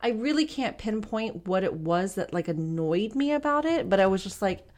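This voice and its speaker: A woman co-hosting a movie podcast, talking in a candid, rambling way with quick bursts of speech. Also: mid-range voice, lively intonation, darkish tone. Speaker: podcast co-host. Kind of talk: casual movie-review chat.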